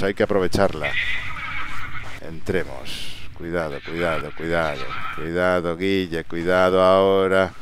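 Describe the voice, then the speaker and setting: A young man from Spain commentating his live gameplay, excitable and swearing, talking to viewers and to the game. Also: sits low. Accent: Spain Spanish. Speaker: gaming streamer. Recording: loud background game noise.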